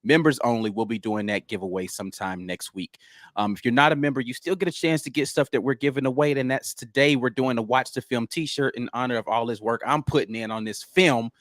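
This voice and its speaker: A man's voice: medium pitch, fairly quick, fairly bright tone, no room sound, clean studio sound. A man co-hosting a sports podcast, talking laid-back and loose with plenty of ums and slang. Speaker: podcast co-host, film analyst. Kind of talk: casual sports talk.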